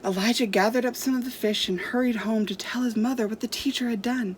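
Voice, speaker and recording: A woman's voice: fairly high pitch, fairly even intonation, fast, slight background noise. A woman storyteller reading a storybook aloud to children expressively.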